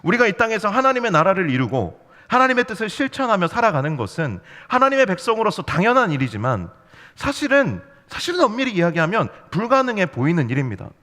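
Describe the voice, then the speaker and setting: A man's voice: sits high, sing-song, quick pace, pushed and bright. A man preaching a sermon as youth pastor, playful and storytelling, full of rhetorical questions to the congregation. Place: church sanctuary. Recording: long hall reverb.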